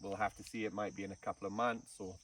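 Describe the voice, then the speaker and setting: A man's voice: fairly low pitch, level tone, quick pace, fairly bright tone. A man from Kenya, a snake farm curator, telling his story in a casual interview with frequent ums. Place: outdoors in the bush. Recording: distant mic with faint insect noise.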